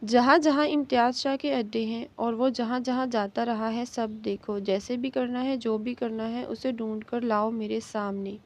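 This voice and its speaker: A woman's voice: on the high side, flat delivery, few pauses. A woman voicing an angry, commanding young army major who barks orders in a story reading. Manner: stern, shouting orders. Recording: dull lo-fi recording.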